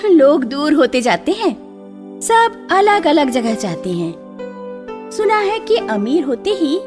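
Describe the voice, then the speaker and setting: A woman's voice: high-pitched, sing-song, takes it slowly, over music, full character voice. A woman playing a poor labourer mother and anxious, devoted wife in a radio play. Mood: tender. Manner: pleading, emotional. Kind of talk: Hindi radio play acting.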